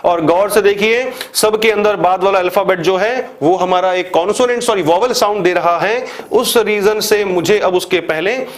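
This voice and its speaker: Guy with an indian accent doing an exam grammar class, high voice, asks questions then answers them. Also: moderate pace, few pauses. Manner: explains step by step, repeats examples, asks and answers himself. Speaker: English teacher for exam prep. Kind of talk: classroom lecture.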